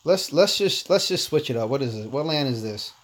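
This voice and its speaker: A Korean-born man whose first language is Korean hosts a casual livestream of a mobile game, chatting with viewers. His medium-pitched voice is animated and fairly quick, and he stays laid-back and talkative, reading the chat aloud and calling people "man".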